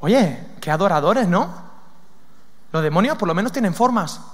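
High-voiced preacher in a hall. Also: male voice, moderate pace. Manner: lively, asks the audience questions, acts out demons' lines. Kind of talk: sermon. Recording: long hall reverb.

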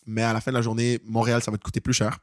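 Fast-talking Québécois young man. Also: medium pitch, no room sound, clean studio sound. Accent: Québécois French. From Quebec. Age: 20s. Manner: animated storyteller, fast with many restarts. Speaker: podcast co-host. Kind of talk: casual podcast chat.

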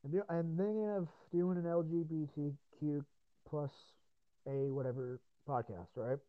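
At a moderate pace and in a steady, slightly high voice, a podcast host keeps up a loose, rambling chat peppered with swearing and frequent laughter, his voice weary from hours of talking. The recording is dry, with a tinny phone-like quality.

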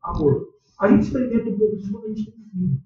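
A man's voice: sits high, expressive, fast, mellow. A man with a Brazilian Portuguese accent preaching a sermon in a church, talking conversationally and firing questions at the congregation with slangy asides. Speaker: pastor. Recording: echoey church hall, distant dull mic.

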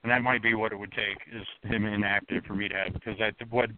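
A man hosting a sports radio panel, firing off quick questions and sarcastic asides. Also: on the low side, steady tone, dry recording. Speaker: show host. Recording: dry, phone-like narrow band.

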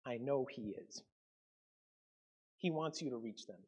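A man's voice: medium pitch, measured pace, darkish tone, slightly rough. A man from Canada preaching a conversational sermon to his congregation, with frequent ums and self-corrections. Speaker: pastor.

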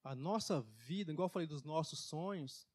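A man preaching a folksy testimony sermon in church, emphatic, with loudness and pitch that swing widely. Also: animated, moderate pace. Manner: folksy, laughs at his own jokes. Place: church service.

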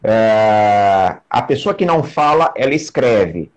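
A man hosting an interview, explaining steadily with pauses and fillers. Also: fairly low pitch, lively intonation, highs cut off. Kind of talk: conversational interview.

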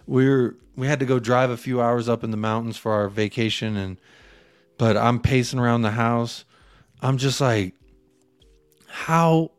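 Excitable man on a football podcast. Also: mid-range voice, no echo. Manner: excitable, slangy, acts out quotes. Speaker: podcast co-host. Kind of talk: casual fan chat.

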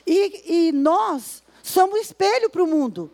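A woman preaching a sermon at a women's service, reading scripture slowly and with emphasis and acting out complaining voices in asides. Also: extremely high pitch, animated, darkish tone.

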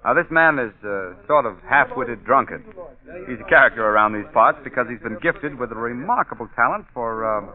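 An actor playing an amused, talkative bar local, explaining things offhandedly in an old radio drama. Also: male voice, mid-range voice, animated, a little fast, close to an everyday voice. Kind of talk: 1940s radio acting. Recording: tinny old radio, crowd behind.

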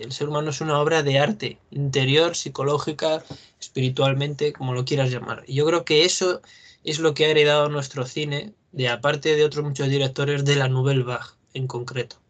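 A man talks through his ideas about film in a loose, reflective commentary, pausing with fillers as he reasons. His voice sits a little higher than most men's. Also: a bit bright. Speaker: film discussion co-host.

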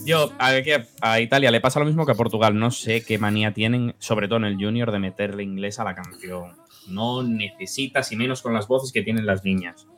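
A man's voice: fairly low pitch, fairly bright tone, faint music behind. A man co-hosting a podcast, presenting songs and commenting in casual conversation. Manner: presenting songs, quick remarks. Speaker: podcast co-host. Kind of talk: casual chat.

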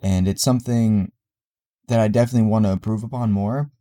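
A man's voice: fairly low pitch, steady tone, a little fast, dark tone. Congested young man hosting a solo podcast. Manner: rambling, many fillers and restarts. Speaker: podcast host. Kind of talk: solo casual podcast monologue.

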